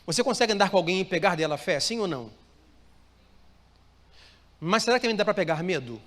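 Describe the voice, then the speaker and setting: A man's voice: sits high, lively intonation, fairly quick. A Brazilian Portuguese-speaking male pastor preaching a sermon to a live congregation, asking them to repeat phrases and answer him. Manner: preaching with call-and-response prompts to the congregation. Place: church hall with live congregation. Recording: reverberant church hall, soft music.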